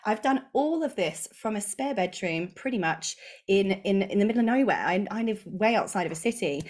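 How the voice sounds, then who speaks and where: A woman's voice: mid-range voice, lively intonation, fairly quick, darkish tone. Bubbly English woman on a video call. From England. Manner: bubbly, enthusiastic, gestures a lot. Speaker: guest, course creator. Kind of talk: casual podcast interview. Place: home office with bookshelves, indoors.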